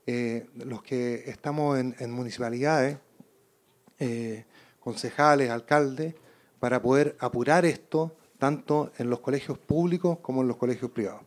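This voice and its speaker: A middle-aged man speaking spontaneously from the audience at a public talk, halting and repeating words as he builds his question. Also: mid-range voice, steady tone. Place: auditorium. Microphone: handheld microphone.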